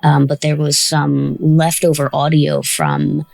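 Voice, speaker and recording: A woman's voice: low voice, level tone, slow pace, creaky, darkish tone, no echo. A woman hosting a casual commentary on an audio drama, chatty and reflective as the show's creator.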